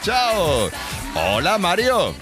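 Playful radio host over music. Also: male voice, sits high, wildly swooping pitch, very slow, pushed and bright. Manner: playful, breaks into song. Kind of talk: lively morning radio game hosting. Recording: radio studio with music bed.

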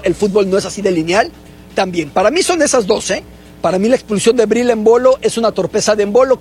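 A man giving football analysis on a studio panel, laying out his argument in a measured way, point by point. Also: high-pitched, a little mellow.

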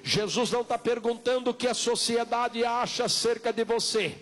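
A Brazilian man preaches in a high voice, as a pastor at an altar call. He exhorts insistently, repeating short appeals and stretching out key words in the Portuguese of Brazil. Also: fairly even intonation, a bit bright. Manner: insistent, repetitive exhortation with drawn-out calls. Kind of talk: evangelical sermon, altar call and prayer.

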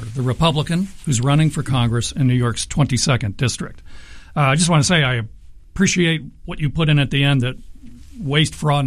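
A man hosting a public radio interview, asking measured, thoughtful questions. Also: medium pitch. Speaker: radio host.

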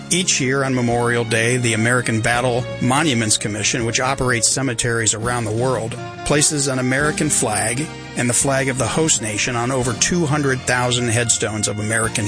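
Male commentator reading a script, reflective, music loud behind him. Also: mid-range voice. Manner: measured, reflective delivery. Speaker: radio commentator.

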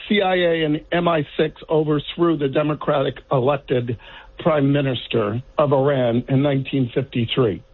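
A man from the Virgin Islands calling in to a radio show, making direct points one by one. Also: fairly high pitch. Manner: direct, lists numbered points. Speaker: caller. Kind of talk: call-in radio question. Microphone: telephone. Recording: tinny phone line.

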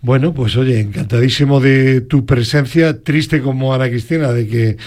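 A man's voice: mid-range voice, normal speed, a little mellow. Chatty male host from Granada. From Granada, Spain. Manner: chatty, hesitant with fillers. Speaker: radio host. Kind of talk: friendly interview hosting.

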